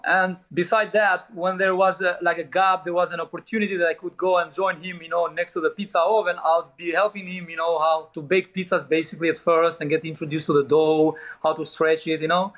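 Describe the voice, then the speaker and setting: A man's voice: high-pitched, a bit bright, rough recording. A middle-aged man from Albania and Italy with an Albanian accent, telling his story casually as an interview guest with frequent filler asides. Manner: frequent "you know" asides, non-native phrasing. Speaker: guest, pizzeria owner and chef.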